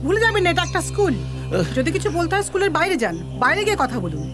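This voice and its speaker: A woman's voice: very high voice, big pitch swings, rapid-fire, over music. A woman playing a firm, indignant school defender in a film drama. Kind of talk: Bengali film drama acting.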